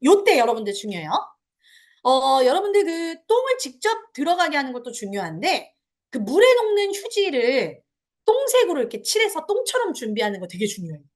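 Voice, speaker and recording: A woman's voice: sits high, very animated, a little fast. A woman giving a parent education lecture, talking to parents and acting out little dialogues with children.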